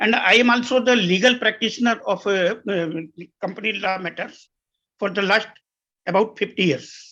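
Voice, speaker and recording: Against a quiet background, a man with a high pitch and a bright, sharp tone speaks in a raised, projected voice with fairly even intonation and long, frequent pauses. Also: moderate pace. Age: 60s. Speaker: shareholder. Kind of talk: shareholder question at company meeting. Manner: halting, many fillers.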